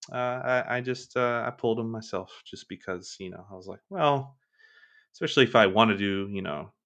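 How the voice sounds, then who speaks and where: The speaker has a slight Kentucky accent and moves at a fairly quick pace against a quiet background. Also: man. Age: 30s. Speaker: game developer. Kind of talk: casual interview. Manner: halting, many fillers.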